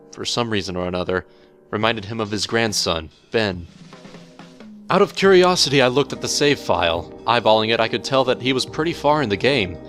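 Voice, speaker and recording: A man narrating a horror story in a measured, theatrical storytelling manner over music. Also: fairly low pitch, fairly bright tone. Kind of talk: dramatic horror story reading. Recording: music bed under the voice.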